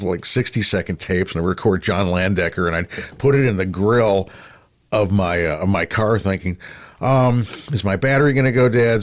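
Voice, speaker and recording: Low-voiced man chatting as host. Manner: chatty, rambling storyteller. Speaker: podcast host, radio veteran. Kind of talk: casual chat, interviewing.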